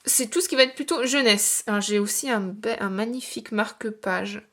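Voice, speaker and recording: A woman's voice: mid-range voice, normal speed, fairly bright tone. A young woman showing her bookshelves in a casual vlog, rambling with lots of fillers. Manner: chatty, rambling with many fillers. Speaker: booktuber and author. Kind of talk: casual book-collection vlog. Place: home room with bookshelves.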